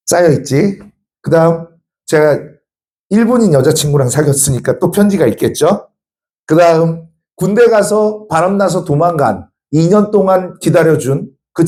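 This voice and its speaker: Man, teacher, storytelling to students, slightly high voice, animated, plays both sides. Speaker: social studies teacher.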